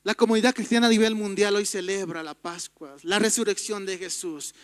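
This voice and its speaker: High-voiced man preaching a sermon. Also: a little fast, dry recording. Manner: expressive preaching, reads verses aloud and retells them. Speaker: pastor. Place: church.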